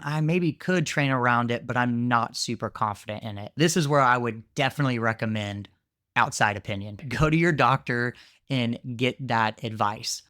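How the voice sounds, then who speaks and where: A man's voice: mid-range voice, fairly bright tone, dry recording, clean studio sound. A man in his thirties, a jiu-jitsu coach, giving frank, conversational training advice with casual fillers. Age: 30s. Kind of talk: instructional talk to camera.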